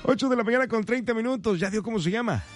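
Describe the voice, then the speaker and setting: A man's voice: high voice, fast talker, loud music behind the voice. A man hosting a morning radio trivia segment, chatty and playful, talking straight to listeners. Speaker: radio host.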